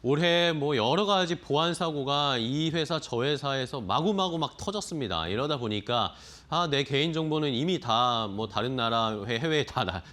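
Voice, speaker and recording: Animated man hosting a market show. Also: fairly high pitch. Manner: lively, upbeat, starts lines with "자". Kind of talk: broadcast talk show hosting.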